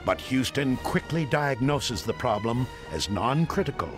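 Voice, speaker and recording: A man's voice: medium pitch, very animated, measured pace. A man reading scripted, dramatic documentary narration. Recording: studio narration over prominent music.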